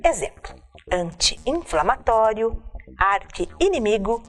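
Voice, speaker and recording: A woman reading a scripted lecture slowly, pausing over each example word. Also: a little high, big pitch swings, soft background music. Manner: slow, deliberate reading of word lists. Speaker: teacher.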